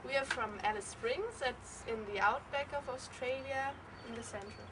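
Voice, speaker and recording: A woman's voice: high-pitched, normal speed, lightly acted. A teenage girl playing a proud young Aboriginal guest in a school role-play, speaking matter-of-factly with ums. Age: teens. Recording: far mic with loud noise.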